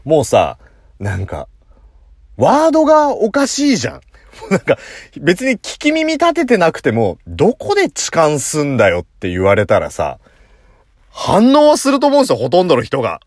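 A man's voice: a little high, wildly swooping pitch, normal speed, no room sound, studio quality. A man casually telling a funny story on his solo talk show, laughing at his own jokes. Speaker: podcast host. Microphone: phone app recording.

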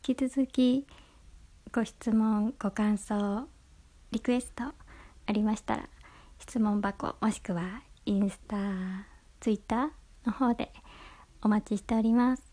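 A woman with a Hakata accent hosting a calm bedtime talk show, speaking softly and slipping into whispers. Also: mid-range voice. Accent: Hakata dialect. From Hakata, Fukuoka. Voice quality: soft, often whispered. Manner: relaxed, unhurried. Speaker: podcast host.

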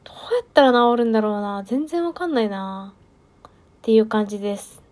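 A woman's voice: on the high side, expressive, a little fast, a little mellow. A young woman hosting a solo talk show, chatting casually and self-deprecatingly with lots of fillers. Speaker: podcast host.

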